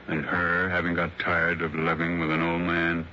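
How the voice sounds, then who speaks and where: An actor playing an older blind husband in a 1960s radio drama, speaking slowly with resigned sadness. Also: male voice, deep voice, monotone, pushed and bright, a little hiss or hum. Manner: slow, resigned and sad. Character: older blind man, husband of a young wife. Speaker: Mister Porter. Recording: dull lo-fi vintage radio broadcast.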